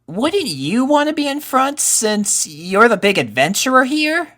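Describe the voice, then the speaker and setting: A man voicing young boy pony colts in a storybook reading, with a high child voice and expressive, uneasy chatter. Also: a little slow, heavily acted. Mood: eager. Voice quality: high-pitched put-on child voice.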